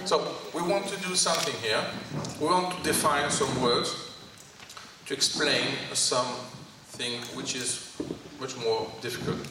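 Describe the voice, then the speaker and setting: A man with a Greek French accent giving a lecture to an audience in a college hall, speaking in short halting phrases and asking the audience questions. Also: mid-range voice, fairly even intonation. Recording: echoey hall from far off, faint noise.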